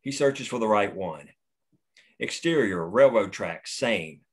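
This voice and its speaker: A man's voice: fairly low pitch, lively intonation, slow pace, husky. A man plainly reading the action lines and stage directions at a screenplay table read.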